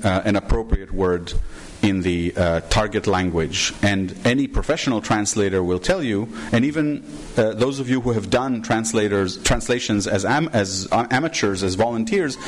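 A middle-aged man giving a conference talk from a podium in a large hall, chatty and enthusiastic, often asking the audience "right?". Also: on the low side. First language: Hebrew. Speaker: conference trainer. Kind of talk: conference presentation.

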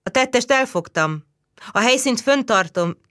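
A woman's voice: on the high side, animated, fairly bright tone, no echo, studio quality, pitched above the performer's own voice. A woman voicing a stern, burly peasant policeman who barks orders. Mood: commanding. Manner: barking orders.

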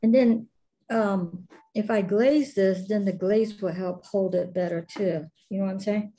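A woman's voice: mid-range voice, fairly even intonation, unhurried, dark tone, a little hiss or hum. A middle-aged woman teaching a clay class, chatting casually and thinking aloud with many fillers as she works. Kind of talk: casual chat while demonstrating.

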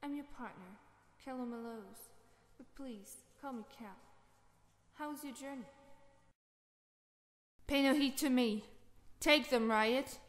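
A grave female agent from a fantasy game, acted by a woman. Her voice sits a little high and she speaks slowly, with formal, theatrical care. A studio reverb makes it ring like a hall. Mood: urgent, commanding. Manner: deliberate, formal, theatrical delivery. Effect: studio hall reverb effect. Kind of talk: fan voice audition for fantasy game characters.

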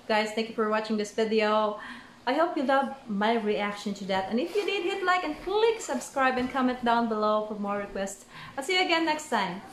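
A young woman reacts on camera from a small room at home, her fairly high voice swooping up and down as she exclaims and laughs. She talks slowly, drawing out her words. The webcam picks her up with a noticeable roomy echo. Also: slight background noise. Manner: excitable, exclaiming, laughing often. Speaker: reaction video host. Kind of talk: casual reaction commentary.

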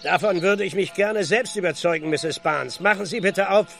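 An actor playing a stern, impatient village constable in a radio play, officious and brusque, with speech. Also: male voice, high voice, normal speed, creaky, fairly bright tone, faint music behind. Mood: stern, insistent. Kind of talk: German radio play acting.

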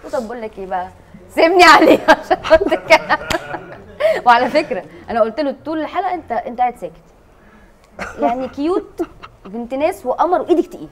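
Fast-talking Egyptian woman host. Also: sits high, lively intonation. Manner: chatty, teasing. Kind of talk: TV prank show hosting.

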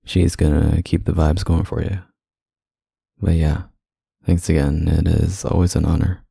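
A man performing an ASMR roleplay as a flirty, self-deprecating club singer, speaking casually with hesitant, softly teasing delivery over music. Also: very deep voice, little pitch movement, unhurried, creaky, slightly rough, dry recording, full character voice. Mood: gracious. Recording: close dry mic, music behind. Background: music in a staged club scene.

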